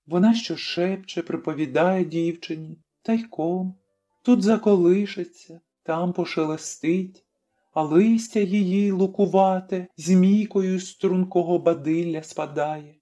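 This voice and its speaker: An audiobook narrator reading a literary story in a measured way, softening at the ends of phrases. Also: mid-range voice. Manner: slow, measured, dropping soft at line ends.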